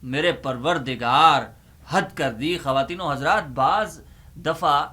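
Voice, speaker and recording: A Pakistani man hosting a humorous poetry reading, delivering verses in a theatrical, drawn-out way with repeated lines and banter. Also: fairly high pitch, bright, forceful tone. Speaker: host reciting humorous Urdu poetry. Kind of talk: dramatic comic poetry recitation with banter.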